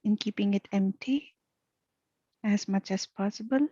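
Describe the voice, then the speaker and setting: Slow, soft-spoken woman guiding meditation. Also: mid-range voice, slightly rough, no echo, lo-fi sound. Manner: soft, gentle, soothing delivery with long pauses. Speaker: meditation teacher. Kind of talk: guided meditation.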